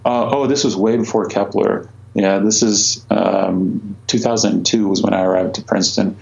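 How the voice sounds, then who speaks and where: A man's voice: on the low side, fairly even intonation, normal speed, vocal fry, a little mellow, highs cut off. A man in his forties from Croatia, answering interview questions about his career in a hesitant way, with many fillers and restarts. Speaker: astronomer guest.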